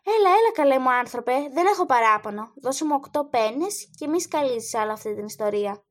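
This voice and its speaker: A woman reading the part of a frightened, haggling peasant woman in an audiobook, pleading and shrill. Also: animated, warm tone.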